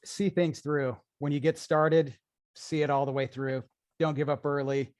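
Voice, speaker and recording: A man being interviewed as a business owner, upbeat and promotional, explaining his services briskly. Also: a little high, little pitch movement, darkish tone. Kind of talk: interview answers.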